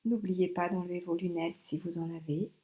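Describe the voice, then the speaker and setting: A woman instructor leading a guided yoga relaxation in short instructional phrases with pauses. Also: on the low side, steady tone, dark tone, rough recording.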